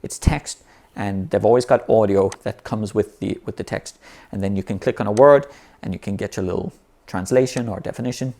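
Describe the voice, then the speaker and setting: Speaking fairly quickly with hardly any pauses, this man has a low, gravelly yet mellow voice. He's a native English speaker giving a relaxed, off-the-cuff explanation of vocabulary learning, often restarting phrases and dropping in "you know."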